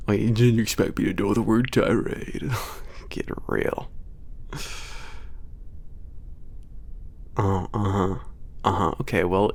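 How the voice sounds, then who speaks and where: A man playing a big, gruff, teasing but secretly caring werewolf trainer in an ASMR roleplay audio drama, talking casually and sardonically with a gravelly low voice. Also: exaggerated voice. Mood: playful bickering. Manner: casual, sardonic, hesitant pauses, frequent chuckles and swearing.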